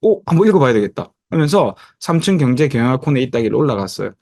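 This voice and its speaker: Man, 50s, motivational speaker, lively pitch, dry close mic, lots of "uh" and "yeah". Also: racing, no echo. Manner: lively storytelling with many fillers, acting out past dialogue. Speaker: network marketing presenter. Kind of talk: motivational presentation over a video call.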